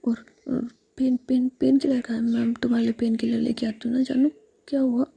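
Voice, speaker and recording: A woman whispering the lines of a protective, fussing young woman who is quick to scold. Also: on the high side, flat delivery, vocal fry, dark tone, husky, no echo, heavily acted. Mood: worried.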